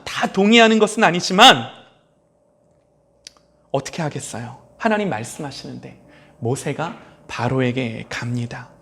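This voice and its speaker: A male pastor preaching a sermon to a small congregation, speaking gently and directly to his young son and building to earnest exclamations. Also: a little high. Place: small church, few listeners.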